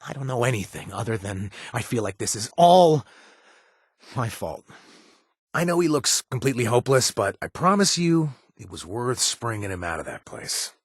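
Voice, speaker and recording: A man playing a flirtatious, wry ex-raider ally in a video game, with a husky voice and a hesitant, teasing delivery. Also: mid-range voice, big pitch swings, moderate pace, no room sound, clean studio sound. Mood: uneasy, earnest. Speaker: video game companion character.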